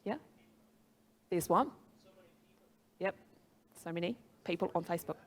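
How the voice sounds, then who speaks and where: A middle-aged woman with a New Zealand accent speaks in a fairly low register. She presents like a business trainer, chatty yet emphatic. She often turns to her listeners with questions. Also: a little slow. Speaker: social media trainer and speaker. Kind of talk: motivational business presentation to a live audience.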